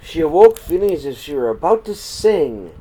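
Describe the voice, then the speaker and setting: A man reading a story aloud for children in an expressive, dramatic storytelling style. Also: on the high side, moderate pace, rough recording. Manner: dramatic, swinging between hushed and projected. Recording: clear background noise.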